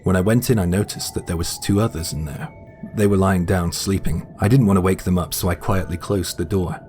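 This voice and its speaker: Casting: male narrator with a very low voice, steady matter-of-fact storytelling, light music bed. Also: fairly quick. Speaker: guest narrator. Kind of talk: scripted first-person story narration.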